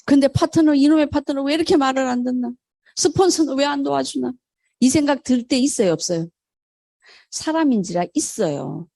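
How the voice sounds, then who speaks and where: A woman's voice: high-pitched, lively intonation, fairly quick, gravelly, dark tone, no echo. A middle-aged woman leading a motivational sales seminar, who poses questions to the audience, answers them herself, and acts out quoted phone calls. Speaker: network marketing sales leader.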